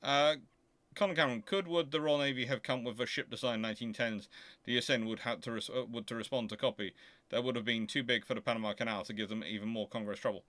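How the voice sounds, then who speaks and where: A man hosting an informal question-and-answer show, explaining things in a halting, self-correcting way. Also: medium pitch, fairly even intonation, a bit bright, no room sound. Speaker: host of a naval history Q&A show.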